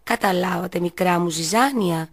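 A calm, patient mother in a children's radio story, gently scolding and explaining, read by a woman in her own voice. The tone is low and even. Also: gravelly. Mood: gentle. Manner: soothing, admonishing.

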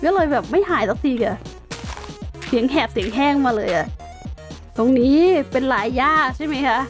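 Woman streamer, casual gameplay chatter with playful sound-effect words, high voice, faint music bed. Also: normal speed. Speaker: gaming streamer. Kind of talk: casual Minecraft gameplay commentary.

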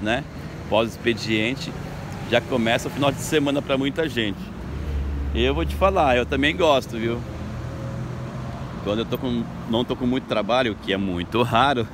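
Chatty man outdoors by traffic. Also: mid-range voice. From Brazil. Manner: chatty, upbeat, talks to viewers directly. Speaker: local tour guide vlogger. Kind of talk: casual vlog narration. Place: beach boardwalk outdoors at sunrise. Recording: outdoor phone recording with traffic noise.

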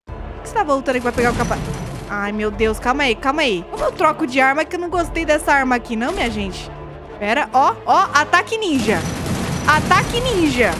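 A young woman with a Brazilian Portuguese accent, chatting excitedly through a gameplay video with frequent squeals and exclamations. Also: high voice, quick pace. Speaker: gaming YouTuber. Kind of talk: casual gameplay commentary. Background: game music and sound effects.

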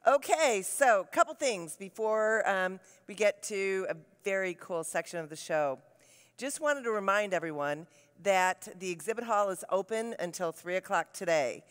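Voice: mid-range voice, expressive, normal speed, smooth. A conference presenter introducing the next speaker in an upbeat, loose way with fillers. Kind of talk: conference stage hosting. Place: large conference hall. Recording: long hall reverb.

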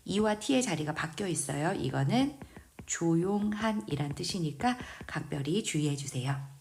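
Slow, low-voiced woman teaching vocabulary. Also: animated, darkish tone, slight background noise. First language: Korean. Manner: patient, precise pronunciation drills with repeated words. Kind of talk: slow, careful vocabulary lesson.

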